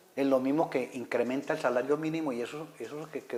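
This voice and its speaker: At a very fast pace, this man talks with a fairly high pitch and ordinary pitch variation. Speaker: retired union leader. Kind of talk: TV interview. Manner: halting.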